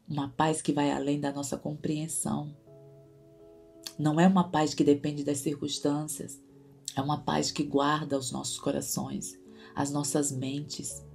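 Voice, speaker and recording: A woman's voice: low voice, gravelly, breathy edge. A woman giving an earnest devotional teaching to other women, repeating words for emphasis. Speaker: Christian women's devotional host. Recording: soft guitar music behind.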